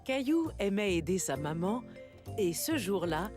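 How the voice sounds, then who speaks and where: Expressive woman narrating a children's story. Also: mid-range voice, unhurried, music in the background.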